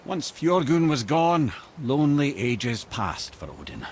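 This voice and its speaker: An actor voicing an eloquent, wry old Scottish sage, telling stories in a theatrical, measured way as a video game character. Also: male voice, fairly high pitch, sing-song, a little hiss or hum. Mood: fond, storytelling. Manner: theatrical, wordy, measured storytelling with wry asides. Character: wry, eloquent old male sage and former royal advisor, storyteller.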